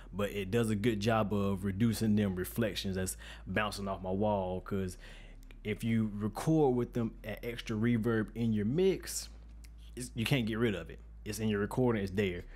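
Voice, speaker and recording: A man with a deep, bassy voice hosting an informal, conversational tutorial in slangy everyday speech, recorded close on a studio microphone. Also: fairly even intonation, normal speed, a little mellow. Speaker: music production tutorial host. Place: untreated home studio room with reflection filter. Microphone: studio microphone with pop filter, close up.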